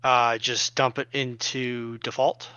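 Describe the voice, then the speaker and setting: Crisp-voiced man on a dull, dry mic. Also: mid-range voice, little pitch movement, slow pace, sharp tone, no room sound. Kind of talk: casual step-by-step technical instructions.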